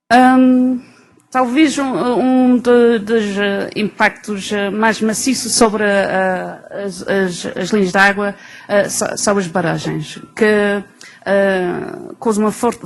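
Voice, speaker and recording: A woman from England giving an academic talk with an English accent in her non-native Portuguese, hesitating as she searches for words. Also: mid-range voice. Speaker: researcher giving a lecture.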